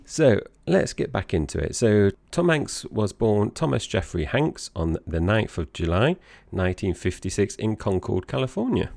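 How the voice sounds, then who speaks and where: A man with an Essex accent and a very low, creaky voice. He co-hosts a podcast in relaxed conversation, often pausing to rephrase, and is recorded close and dry. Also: no room sound. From Essex, England. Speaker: podcast co-host. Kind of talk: casual conversational podcast chat.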